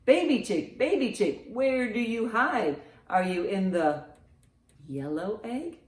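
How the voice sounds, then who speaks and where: A children's librarian hosts storytime, reading and chanting rhymes to young children in an encouraging, sing-song way. Her voice is a little high and animated, and she takes things slowly. The recording sounds roomy and echoing.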